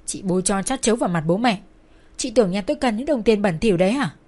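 A woman's voice: medium pitch, animated, quick pace, close to an everyday voice. A woman voicing an angry young man scornfully accusing his older sister in a storybook reading. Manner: shouting, accusing. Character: angry young male brother, bitter and scornful.

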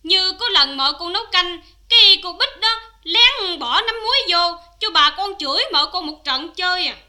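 A woman's voice: extremely high pitch, animated, moderate pace, bright, forceful tone, exaggerated voice. An actress playing a loyal young female servant who defends her mistress, in sung-spoken cải lương style. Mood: earnest.

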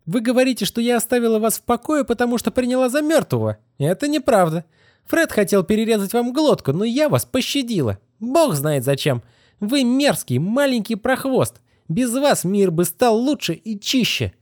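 A man's voice: very high-pitched, big pitch swings, moderate pace, darkish tone, no room sound, studio quality, voice pushed up. A man voicing a defiant, scornful young woman who speaks with contempt. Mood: furious. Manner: contemptuous, furious outbursts. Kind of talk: audiobook character reading.

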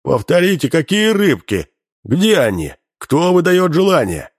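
Blustering greedy pudgy man, put on by a male reader, raised pitch, dry close sound. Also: big pitch swings, a little slow, husky, no echo, exaggerated voice. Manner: blustering, indignant. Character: pompous, dazed pudgy man, full of greed.

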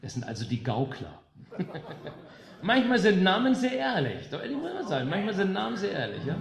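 This man from West Germany, speaking between songs at a live concert, delivers an emphatic political stage speech laced with sarcasm and rhetorical questions. His high, gravelly voice swings hugely in pitch at a fairly quick pace, captured in a roomy room with faint music.

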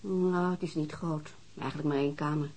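A woman's voice: low-pitched, steady tone, a little fast, a little mellow. A woman acting in a radio drama as a struggling mother, weary and guarded, with a plaintive manner.

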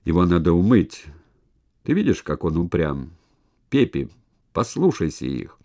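A man's voice: sits low, big pitch swings, warm tone, heavily acted. A man voicing a tall stuttering man past middle age who stumbles over his words, in an audiobook. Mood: stammering. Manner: heavy stutter, slow halting speech.

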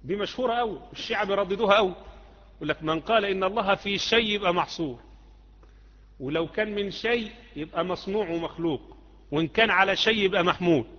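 A man's voice: high-pitched, fast talker, pushed and bright. Egyptian man teaching in an echoing hall. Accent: Egyptian Arabic. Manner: conversational, asks students rhetorical questions. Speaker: Islamic creed teacher. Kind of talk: live religious lesson answering questions. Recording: muffled audio with long hall reverb.

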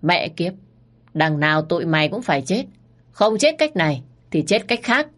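A woman voicing a brutish male gang leader who talks in a rough, sneering way. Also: fairly low pitch, big pitch swings, moderate pace. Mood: brutal.

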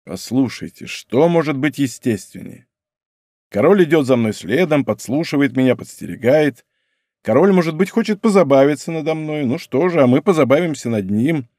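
A man's voice: medium pitch, animated, normal speed, darkish tone, no echo, studio quality, lightly acted. A man reading an audiobook, voicing a proud king who speaks coldly and sarcastically. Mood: cold mockery. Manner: cold, sarcastic, restrained. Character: cold, proud, mocking young king.

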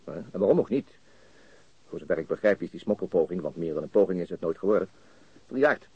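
A calm detective in a radio drama, deep-ish and rough, measured, quietly probing, muffled sound. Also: male voice, dry recording, heavily acted. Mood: quietly insistent. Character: calm, shrewd, methodical male police detective. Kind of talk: Dutch radio crime drama acting.

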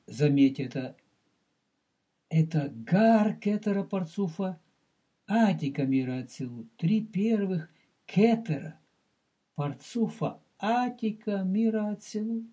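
A man teaching as a rabbi in a recorded religious lecture. He speaks deliberately, addresses the listener directly, and explains and repeats terms for emphasis. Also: high voice, lively intonation, dark tone, breathy edge.

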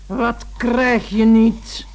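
An actress playing a coarse, thuggish grown daughter in a radio play, blunt and rude. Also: female voice, fairly high pitch, steady tone, very slow, darkish tone. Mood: menacing.

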